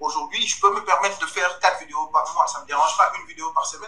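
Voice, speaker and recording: Speaking at a fairly quick pace, a man delivers his words. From Senegal, Dakar. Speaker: YouTuber and online entrepreneur. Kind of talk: interview.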